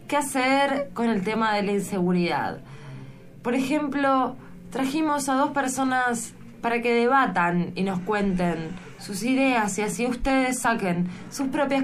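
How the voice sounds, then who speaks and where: A woman with a Rioplatense accent hosting a comedy radio show in a relaxed, playful way. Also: mid-range voice, slight background noise. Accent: Rioplatense Spanish. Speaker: host.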